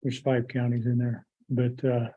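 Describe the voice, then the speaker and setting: Hoarse, halting man chairing a meeting. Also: mid-range voice, completely flat delivery, mellow. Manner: halting, many filler pauses. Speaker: county commissioner chairing a meeting. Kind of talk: public board meeting. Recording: tinny phone-like audio.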